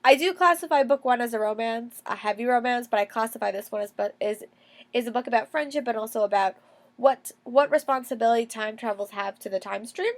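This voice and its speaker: Congested young woman with a cold, enthusiastic book vlogger, slightly high voice, repeats words for emphasis. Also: fairly quick. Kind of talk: casual reading wrap-up vlog.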